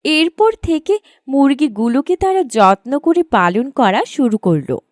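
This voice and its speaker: Female storyteller for children's cartoon narration: high, animated pitch, dry sound. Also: measured pace, no echo.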